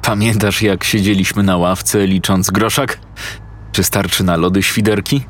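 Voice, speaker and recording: Coarse conspiratorial buddy, man's own low voice, unhurried. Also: fairly even intonation. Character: young man, scheming old school friend.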